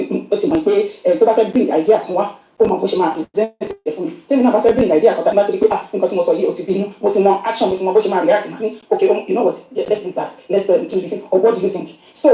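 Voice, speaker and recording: A recorded voice message from a middle-aged Yoruba-accented woman, played back on the show. She talks earnestly and briskly, slipping English into her words. Her tone is deep and mellow, and the room around her echoes. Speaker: caller sending a voice note. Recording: roomy voice message.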